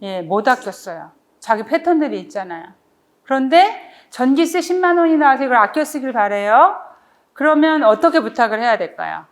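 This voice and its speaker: A middle-aged woman lecturer with a voice a touch higher than most. She teaches in a lively way, acting out little quoted exchanges and laughing between points. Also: moderate pace. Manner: lively, acts out quoted requests and replies, laughs often. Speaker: nonviolent communication trainer. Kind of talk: lecture to a studio audience.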